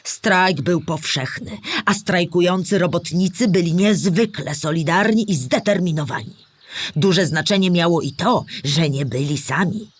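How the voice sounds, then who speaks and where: An actress playing a storyteller who explains history to children in measured, articulate scripted narration. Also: female voice, on the low side, breathy edge, no room sound. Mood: explanatory, measured. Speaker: narrator of a children's audio drama.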